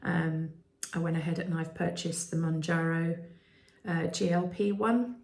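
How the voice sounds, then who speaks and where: A British woman in her fifties, vlogging candidly with many ums and restarts and a voice that turns croaky at times. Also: on the low side, steady tone, measured pace, darkish tone. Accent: British English. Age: 50s. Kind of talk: candid personal vlog. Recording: echoey room.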